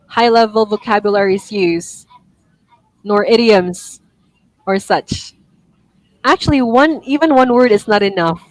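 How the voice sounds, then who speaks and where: A woman gives one-on-one IELTS feedback over a video call, her voice on the higher side. She corrects gently, laughs easily and apologizes for her own slips. The sound is dry and close to the mic. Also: dry recording, poor audio. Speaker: IELTS speaking teacher. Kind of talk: online one-on-one lesson feedback.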